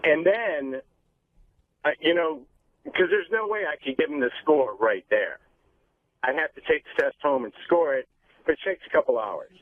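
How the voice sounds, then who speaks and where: Phone-quality guy, doctor calling into radio, slightly high voice, explaining stuff. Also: animated, normal speed, pauses often, no echo. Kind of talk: unscripted explanation on a radio show. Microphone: phone line. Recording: thin, phone-like call audio.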